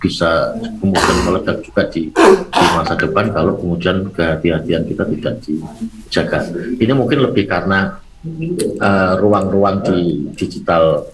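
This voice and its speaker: A man speaking as a webinar presenter in a halting way, with many fillers and restarts. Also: deep voice, low-quality recording. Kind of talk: online lecture.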